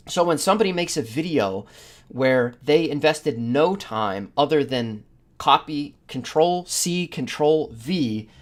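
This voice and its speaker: Male podcast host, mid-pitched, earnest and emphatic, making a case point by point in conversational opinion talk. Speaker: podcast host, video creator.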